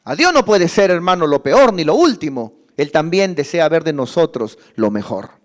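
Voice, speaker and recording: A man's voice: on the high side, big pitch swings, normal speed. A man preaching a sermon as pastor, impassioned and acting out the excuses of church members.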